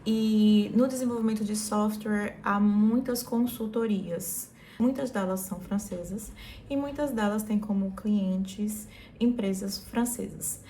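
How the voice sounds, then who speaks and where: Relaxed Brazilian woman vlogger, mellow tone. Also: mid-range voice, measured pace, a little hiss or hum. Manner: relaxed, frequent fillers and restarts. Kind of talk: casual explanatory vlog.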